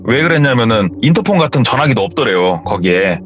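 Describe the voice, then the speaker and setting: A man's voice: mid-range voice, fast talker, highs cut off, soft background music. A man hosting a horror story radio show, casually retelling a viewer's true story and acting out the characters' lines. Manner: animated, acts out the characters' lines.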